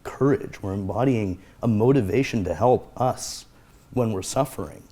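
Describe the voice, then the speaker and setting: A man's voice: lowish voice, normal speed, mellow. A man speaking as a guest therapist, explaining in an earnest conversational way and repeating his key phrases.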